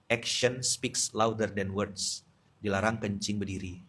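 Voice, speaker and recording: A man with a Pontianak Malay accent preaching a dawn sermon, teasing his listeners and swinging between loud outbursts and quiet asides. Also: on the low side, fairly even intonation, a little slow, breathy edge. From Indonesia. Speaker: Islamic preacher. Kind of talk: dawn study-circle sermon.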